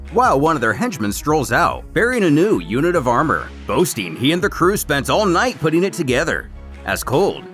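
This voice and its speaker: Male narrator, animated delivery for a comic recap, music underneath. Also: mid-range voice. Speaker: narrator of a fan comic series. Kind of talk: scripted story recap narration with acted quotes.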